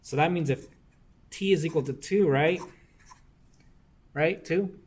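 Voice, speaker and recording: A man's voice: fairly high pitch, a little slow, slightly rough. A young man working circuit homework problems for a class, often asking "right?" to check that students follow. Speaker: engineering discussion instructor.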